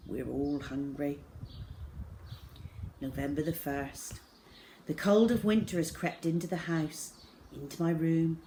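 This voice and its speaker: Lower-voiced woman reading a children's story. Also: a little mellow. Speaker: story-time host reading a children's book aloud. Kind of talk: expressive storytelling, scripted narration. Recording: clear background noise.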